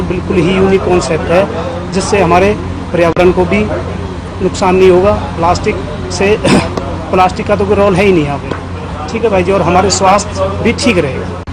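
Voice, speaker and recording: A man's voice: sits high, rough recording. A man giving a casual customer vox pop to a reporter outdoors. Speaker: restaurant customer. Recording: loud outdoor traffic noise.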